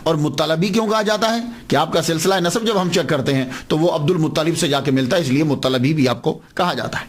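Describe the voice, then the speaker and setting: A man giving a religious lecture as a scholar, explaining step by step and asking questions he then answers. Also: a little high. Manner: slows down to spell out names and words. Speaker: Islamic scholar.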